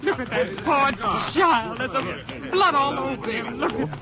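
A woman's voice: high-pitched, measured pace, slight background noise. A woman acting as a horrified, pitying bystander in a 1950s radio drama. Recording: dull old recording, loud crowd.

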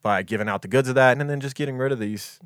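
A man's voice: medium pitch, fast talker, no room sound, clean studio sound. A man co-hosting a true crime podcast, reading history from notes in a casual, offhand way and tripping over foreign names. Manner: reads dates and quotes, stumbles on foreign names, swears casually.

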